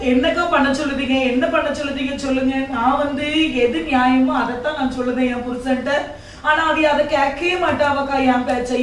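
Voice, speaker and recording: A woman playing a sharp-tongued, devout wife who scolds her husband and grumbles to herself, in an amateur family skit. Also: high voice, a little hiss or hum, natural voice. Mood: tearful. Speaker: quarrelsome wife in a church skit. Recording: echoey room, far from mic.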